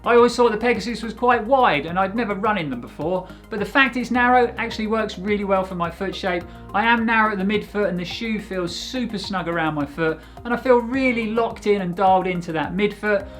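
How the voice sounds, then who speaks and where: A man's voice: sits high, brisk, hardly any pauses, soft background music. Man reviewing running shoes. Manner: steady, conversational and explanatory. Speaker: running shoe reviewer and channel host. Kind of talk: scripted product review to camera.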